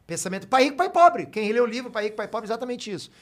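Man, casual storytelling, high voice, quick pace, swears a lot. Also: sing-song, a bit bright. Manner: storytelling, swears freely, self-deprecating laughs. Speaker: podcast guest. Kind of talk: casual chat.

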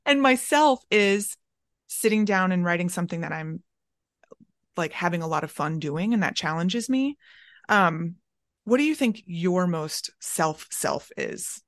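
A woman hosts an interview with an author and asks questions in a relaxed, casual way. Her voice is a little low, and it is recorded dry and close with no room sound. She fills her speech with easy fillers. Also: a little slow, no room sound. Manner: casual, uses many fillers and soft agreement sounds. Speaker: podcast interviewer. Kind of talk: conversational interview.

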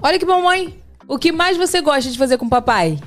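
A woman's voice: high voice, animated, fairly quick, a bit bright, soft background music. A woman hosting a playful family podcast, laughing often and coaxing her toddler to speak. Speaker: podcast host. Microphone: studio podcast mic.

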